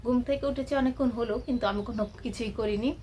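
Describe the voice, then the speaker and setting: A young woman chatting her way through a home vlog in a casual style, now and then hushing her voice to a near-whisper. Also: fairly high pitch, steady tone, very fast. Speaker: vlogger. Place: family home. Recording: noisy home video with background noise.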